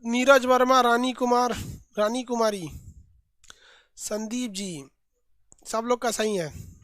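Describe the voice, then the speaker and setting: A man teaching an online geography class, lively and colloquial, drilling names by repetition. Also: extremely high pitch, slow, dry recording, studio quality.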